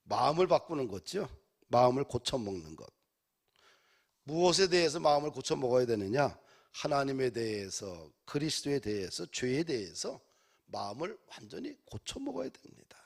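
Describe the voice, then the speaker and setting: A man's voice: medium pitch, sing-song, normal speed, gravelly. A male pastor preaching a sermon in a church, building to emphatic exhortations.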